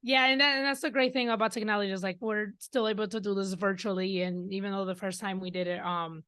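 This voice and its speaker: A woman hosting a podcast interview over a video call on a headset microphone, chatty with quick asides. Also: mid-range voice, fairly even intonation, fairly bright tone, smooth, no echo, studio quality. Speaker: podcast host.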